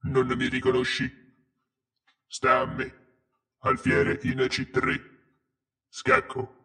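A man's voice: medium pitch, slow pace. A man doing a cold robotic computer. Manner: flat and mechanical. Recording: roomy echo through speakers.

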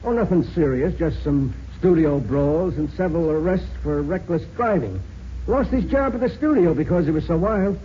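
An actor playing a blunt, skeptical homicide sergeant in a 1940s radio crime drama, talking in tough street slang. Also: male voice, a little high, expressive, moderate pace, close to an everyday voice. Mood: businesslike. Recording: muffled, hissy 1940s radio recording.

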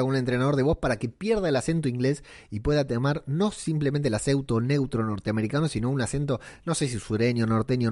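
Un hombre con acento rioplatense argentino que comenta una serie en tono charlado, con muchas muletillas y frases que retoma. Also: male voice, medium pitch, darkish tone, dry recording, clean studio sound. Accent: Argentine Rioplatense Spanish. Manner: rambling, colloquial, many fillers and restarts. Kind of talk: casual commentary on a TV series.

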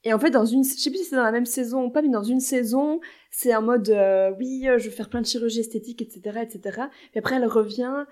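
Podcast host, woman, bright higher pitch, teasing and easily amused. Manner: playful, teasing, quick to laugh. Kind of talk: casual chat.

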